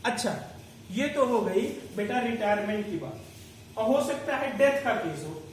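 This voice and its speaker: A man's voice: sits high, animated, measured pace. A man teaching an accounting lecture, explaining step by step and calling his students "beta". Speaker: commerce teacher. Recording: very echoey room, distant mic, faint noise.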